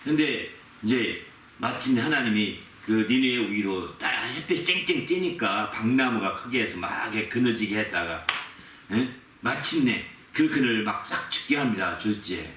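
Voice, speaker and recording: A man's voice: lowish voice, lively intonation, normal speed, a bit bright, a little hiss or hum. A man preaching a sermon as pastor, telling a story with animation and repeating key words for emphasis. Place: church sanctuary. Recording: echoey room, mic at a distance.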